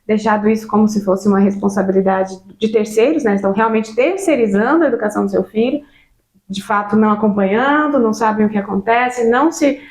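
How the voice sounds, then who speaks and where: A woman's voice: mid-range voice, fast, darkish tone. Brazilian woman host in a roomy space. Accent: Brazilian Portuguese. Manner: thoughtful, asks guiding questions. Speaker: interview host. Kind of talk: casual interview conversation. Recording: roomy echo.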